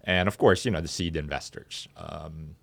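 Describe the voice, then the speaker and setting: A man speaking as an interview guest and startup founder, explaining his business in a conversational, halting and measured way in a studio. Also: extremely low pitch, steady tone, gravelly, fairly bright tone, no echo.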